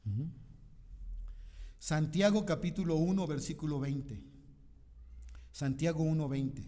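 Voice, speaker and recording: A fairly slow delivery with ordinary pitch variation, a dark, mellow tone, long, frequent pauses, and audible echo from the room. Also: man, fairly high pitch for a man. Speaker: pastor. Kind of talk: sermon. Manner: loud; animated.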